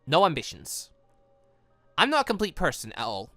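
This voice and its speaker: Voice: medium pitch, wildly swooping pitch, moderate pace, sharp tone, no room sound, faint music behind. A gaming host voicing an earnest, defiant young male student who speaks plainly. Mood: earnest, wistful.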